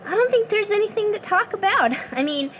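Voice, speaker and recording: A teasing, playful young woman in an audio drama. Her voice is high and bounces around a lot in pitch. Clear ambient noise runs under her lines. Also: lively intonation, fairly quick, rough recording.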